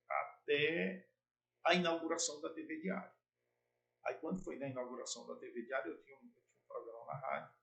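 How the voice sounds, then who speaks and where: A former sports broadcaster and TV presenter tells stories in a casual interview. His medium-pitched voice is gravelly and playful, and he is animated, with jumps in loudness.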